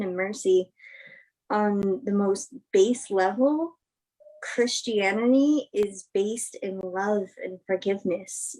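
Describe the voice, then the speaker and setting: A woman's voice: medium pitch, a little mellow, lightly acted, low-quality recording. Woman playing an earnest, thoughtful film actress. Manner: earnest, measured phrasing. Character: Emma, sincere film actress woman, thoughtful, open-minded believer. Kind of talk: virtual staged play reading, naturalistic dialogue.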